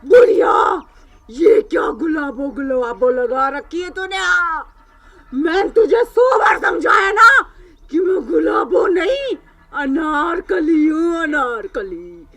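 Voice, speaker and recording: An actress playing a possessed girl whose spirit taunts and threatens a holy man, shouting and cackling. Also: high-pitched, very animated, takes it slowly, crowd noise, full character voice. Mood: taunting. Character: possessed girl, spirit Anarkali, defiant and fierce.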